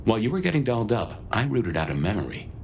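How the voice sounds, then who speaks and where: An actor playing a wry, world-weary vampire detective companion in a video game, talking in a folksy, conversational way. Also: male voice, lowish voice, very animated, quick pace, slight background noise. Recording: loud music behind the voice.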